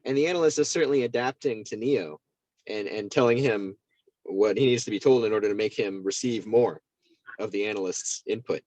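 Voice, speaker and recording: A man's voice: fairly low pitch, a little fast, a little mellow, no room sound, poor audio. A man in a casual analytical conversation, speaking as a discussion partner who questions and carefully qualifies his points.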